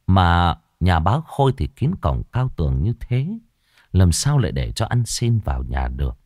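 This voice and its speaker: Male ghost-story narrator, lively and low. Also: no room sound, clean studio sound.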